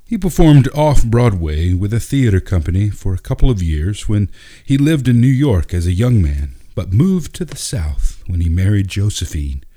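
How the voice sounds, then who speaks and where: Male narrator for short fiction; low-pitched voice, scripted storytelling delivery. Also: very animated, normal speed, dark tone.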